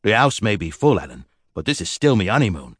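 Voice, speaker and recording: A man voicing a rough-edged, plain-spoken husband who brooks no argument. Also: lowish voice, very animated, a little fast, dry recording, studio quality. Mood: blunt. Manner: blunt, gruff, plain-spoken. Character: blunt, rough-edged self-made husband.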